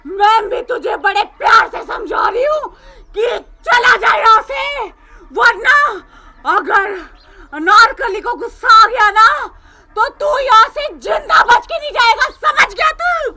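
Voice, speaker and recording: A fierce female spirit screams through a possessed girl's mouth, taunting her exorcist with cackles and threats. The voice is extremely high and piercing, and she drags out her words slowly. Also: expressive, bright, forceful tone, raised voice, heavily acted. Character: possessed girl, spirit Anarkali, defiant and fierce.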